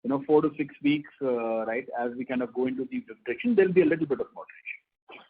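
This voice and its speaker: A man's voice: mid-range voice, lively intonation, quick pace, husky. A man with an Indian accent speaking as a company executive on an earnings call, conversational and often checking with "right?". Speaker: company executive answering analysts. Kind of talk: earnings call question and answer. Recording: muffled narrow phone conference line.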